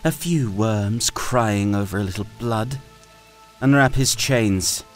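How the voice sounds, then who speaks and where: A man's voice: fairly low pitch, slow, soft background music, voice pushed up. A man reading a fantasy storybook aloud, voicing a cruel, scheming female sand dragon queen who hisses her words with cold scorn. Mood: contemptuous.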